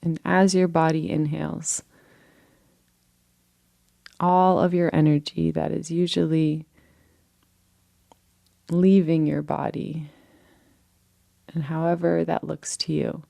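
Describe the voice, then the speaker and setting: Low, mellow woman guiding a meditation. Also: flat delivery, gravelly, no room sound, clean studio sound. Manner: gentle, unhurried, permissive. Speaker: meditation guide. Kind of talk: guided relaxation meditation, soothing instruction.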